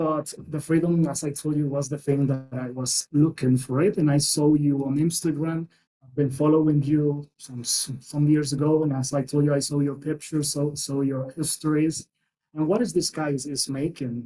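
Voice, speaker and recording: A man's dark, mellow voice in a Spanish accent, fairly high in pitch and somewhat breathy, with monotone, flat intonation at a moderate pace. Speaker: sales student. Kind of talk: interview testimony.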